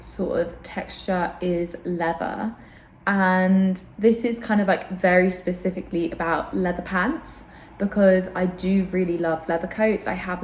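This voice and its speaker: A woman vlogger with a slight sore throat chats casually to camera about her opinions, informal and self-deprecating. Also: lowish voice. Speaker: vlogger and host. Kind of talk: casual fashion chat to camera. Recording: roomy echo, clear background noise.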